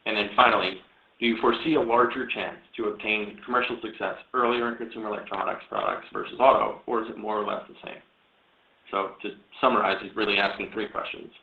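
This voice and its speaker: Low gravelly guy moderating an earnings call, talks quick, echoey phone-like sound. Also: fairly even intonation. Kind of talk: reading out submitted questions. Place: conference call. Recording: thin phone-like line, roomy echo.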